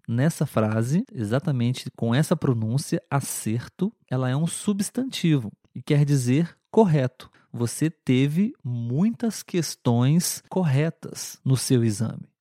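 A man giving a language lesson, repeating words and sentences slowly and clearly for learners. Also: on the high side, dark tone, no echo, studio quality. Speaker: language teacher. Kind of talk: slow explanatory lesson.

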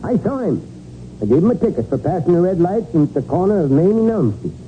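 A man playing a folksy, stubborn small-town lawman in a 1940s radio drama, gruffly impatient and emphatic. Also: high voice, sing-song, fast. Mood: defensive. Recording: scratchy, narrow-band 1940s radio recording.

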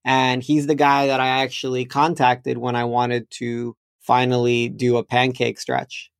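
A man's voice: medium pitch, monotone, measured pace, creaky, no echo, clean studio sound. A man hosting a podcast, chatting casually and laughing easily while he interviews a guest. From Chechnya. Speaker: podcast host.

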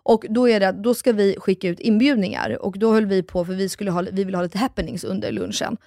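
A woman co-hosting a podcast in casual chat, telling stories in a lively way and acting out what people said. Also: medium pitch, no echo, clean studio sound. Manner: animated storytelling, acts out quoted exchanges. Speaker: podcast co-host. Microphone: studio microphone.

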